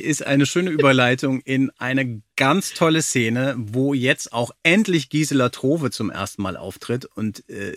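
A man's voice: medium pitch, a bit bright, no room sound, clean studio sound. A man hosting a casual podcast discussion, talking playfully in wordy, appreciative phrases. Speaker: podcast host.

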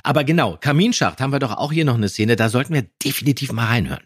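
A man's voice: medium pitch, animated, rapid-fire, a little hiss or hum. A man co-hosting a podcast, a voice actor chatting casually and laughing as he recalls recording a radio play.

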